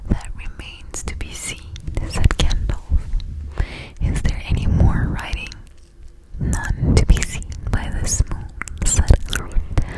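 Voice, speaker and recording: Someone whispers at a very slow pace, with long, frequent pauses. Noticeable background noise runs underneath. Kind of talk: fiction reading aloud. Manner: whispered, soft-spoken.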